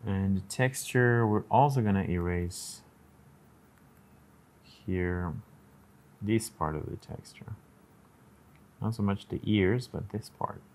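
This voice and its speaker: Low voiced guy chatting slow while he draws on stream, talks thru every step. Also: darkish tone. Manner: unhurried, talks through each step and greets chat. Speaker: live-streaming drawing host. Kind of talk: casual narration while drawing.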